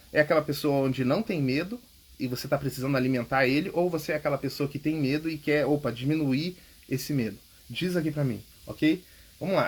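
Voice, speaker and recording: A man coaching listeners on public speaking in a fast, casual, emphatic way. His voice is slightly husky and sits a little high. He repeats key points and keeps checking in with the listener. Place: home recording.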